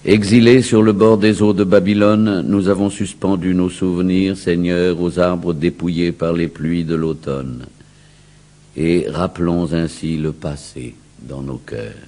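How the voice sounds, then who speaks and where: A man reciting verse in a grave, declamatory, solemn dramatic style with a husky voice. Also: low-pitched, fairly even intonation, unhurried, warm tone. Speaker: poetry reciter.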